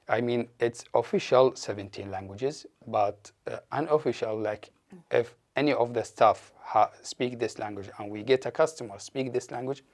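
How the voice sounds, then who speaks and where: Gravelly low-voiced man, halting speech. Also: darkish tone. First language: Arabic. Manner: hesitant, many fillers and restarts. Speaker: staff member at a refugee support organization. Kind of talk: interview answers.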